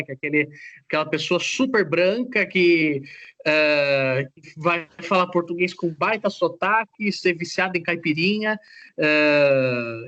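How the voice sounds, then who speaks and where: Halting podcast host with a raised voice. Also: male voice, on the high side, a bit bright, dull audio. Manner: halting, searching for words in questions. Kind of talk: casual podcast interview.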